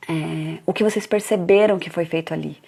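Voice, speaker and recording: A woman's voice: lowish voice, brisk, gravelly, mellow, husky. A woman in her thirties giving a live talk on parenting, telling stories about her children and acting out what was said. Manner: storytelling, acting out family dialogue. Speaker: parenting educator.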